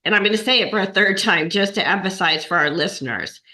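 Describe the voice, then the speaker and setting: A woman's voice: mid-range voice, fast, bright, forceful tone. A woman hosting a podcast, asking a guest long, carefully built questions. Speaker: podcast host. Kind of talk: conversational interview.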